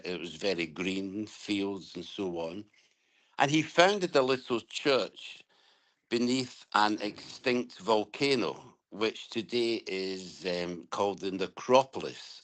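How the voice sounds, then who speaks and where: A man from Scotland speaks with a Glaswegian accent in a fairly low voice. He is an interview guest who talks conversationally and unfolds his answers as stories. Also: fairly bright tone, low-quality recording. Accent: Glaswegian Scottish. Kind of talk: conversational storytelling about home and past.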